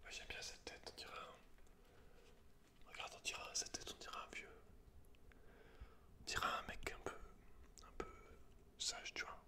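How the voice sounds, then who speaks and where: A man's voice: moderate pace, pauses often. Whispering man doing ASMR. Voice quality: breathy unvoiced whisper. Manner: informal, slangy, talks directly to one listener. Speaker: ASMR creator. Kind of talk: whispered ASMR, casual commentary and reading aloud from a book.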